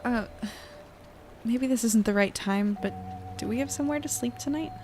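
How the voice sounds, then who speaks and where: An actress playing a curious, considerate young woman in an audio drama, soft-spoken and reflective as she speaks. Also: fairly high pitch, moderate pace, faint music behind, close to an everyday voice. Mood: tentative, caring. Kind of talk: first-person audio drama narration and dialogue.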